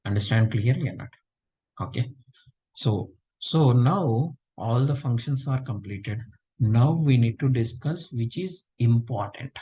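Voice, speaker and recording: A man's voice: medium pitch, lively intonation, a little slow, dark tone, slightly rough, low-quality recording. Unwell man teaching a class. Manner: repetitive, checks in with students often. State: unwell, low voice. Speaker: instructor. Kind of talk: live online class teaching.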